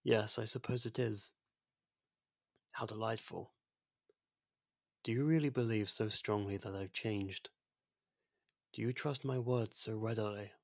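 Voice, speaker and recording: Ancient world-ending entity for ASMR audio roleplay, male performer. Gravelly, even delivery, soft, formal and gently confiding. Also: fairly low pitch, measured pace, long pauses, no room sound, clean studio sound. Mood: hesitant, curious. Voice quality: husky, creaky, soft. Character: ancient genocidal otherworldly being, imprisoned, now courteous and fond.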